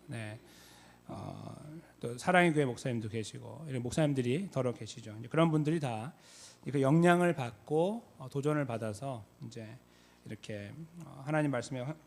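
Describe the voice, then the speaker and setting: A man pastor giving a conversational sermon, with frequent filler pauses. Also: medium pitch. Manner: conversational, many fillers, reenacts shouted call-and-response. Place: church sanctuary.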